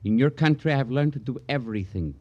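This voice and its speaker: An actor playing a suave, guarded jeweler in a 1950s radio drama, formal and pompous. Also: male voice, mid-range voice, expressive, natural voice. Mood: haughty, guarded. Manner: formal, pompous, measured phrasing. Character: suave, haughty, guarded foreign male jeweler. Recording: dull vintage radio recording.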